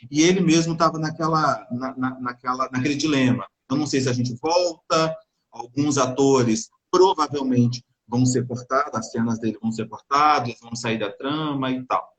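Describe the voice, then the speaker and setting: A man hosts a casual interview and asks chatty, rambling questions. He fills his speech with small tag words. His voice sits at an ordinary mid pitch. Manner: chatty, filler-heavy questions.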